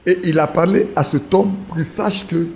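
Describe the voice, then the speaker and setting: A man's voice: on the high side, normal speed, creaky, darkish tone, slight background noise. A man preaching an informal sermon to his church, talking casually and asking the congregation questions. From Ivory Coast. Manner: conversational, asks the congregation questions. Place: church assembly.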